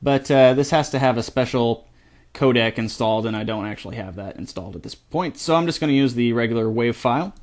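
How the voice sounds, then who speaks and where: A middle-aged man hosting a screen-recorded software tutorial, talking casually with lots of fillers and restarts. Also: medium pitch.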